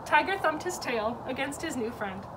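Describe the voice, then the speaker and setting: High, animated woman reading a storybook. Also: normal speed. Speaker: zoo educator reading a story. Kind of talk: children's storybook read-aloud. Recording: distant mic with clear background noise.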